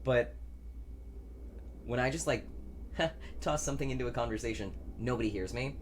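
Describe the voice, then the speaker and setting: A young trans man chatting casually in a weekly vlog, rambling and self-deprecating, with a deep voice that doesn't carry. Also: normal speed, slight background noise. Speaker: vlogger.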